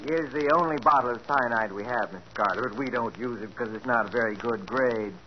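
Actor as a gossipy lab assistant. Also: male voice, mid-range voice, fast talker, natural voice. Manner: gossipy, eager to talk. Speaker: laboratory assistant. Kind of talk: 1940s radio acting. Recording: dull hissy 1940s radio recording.

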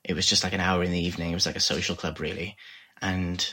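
A man in his thirties with a softened Welsh accent, speaking low and hesitantly. His tone is bright and forward. He fills his answers with "um" and restarts. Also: little pitch movement, quick pace, slightly rough. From Wales. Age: 30s. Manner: hesitant, many fillers and restarts. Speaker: guest filmmaker. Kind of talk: casual interview chat.

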